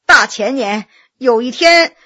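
A woman's voice: fairly high pitch, animated, takes it slowly, sharp tone, full character voice. A woman voicing a humble, nervous male county magistrate who sighs and stammers as he pleads, in a spoken storytelling reading. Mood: confessing.

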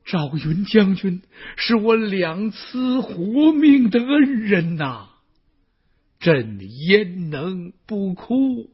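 A storyteller voicing a pampered young emperor who is weeping and indignant, speaking in an emphatic, drawn-out wail with a husky voice. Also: male voice, sits high, big pitch swings, highs cut off, pitched above the performer's own voice, full character voice. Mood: indignant grief. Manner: emphatic, drawn-out wailing delivery.

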